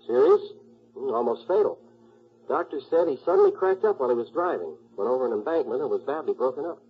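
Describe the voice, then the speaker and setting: An actor playing a detective's wry, eager male sidekick in 1940s radio style, with a raspy voice. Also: medium pitch, expressive, fast. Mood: eager, informative. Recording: muffled old 1940s radio recording.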